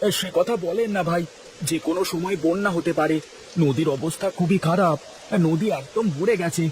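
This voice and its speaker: A man's voice: fairly high pitch, moderate pace, a little mellow, a little hiss or hum, lightly acted. A man voicing a practical village husband in a cartoon, speaking plainly and steadily. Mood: urgent. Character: practical poor villager husband, male, calm. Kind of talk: cartoon voice acting.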